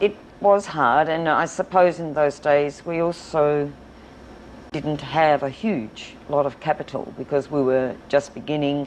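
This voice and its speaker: A woman speaks with an Australian accent and a very deep, low pitch. Her pace is fairly slow, with ordinary pitch variation. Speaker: charity founder. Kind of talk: interview. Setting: studio.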